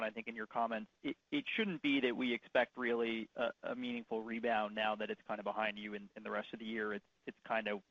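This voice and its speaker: A man asking questions as an analyst on an earnings call, polite and halting, often repeating words. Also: mid-range voice, a bit bright, no room sound. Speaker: financial analyst. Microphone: conference call line. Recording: dull, dry phone-call audio.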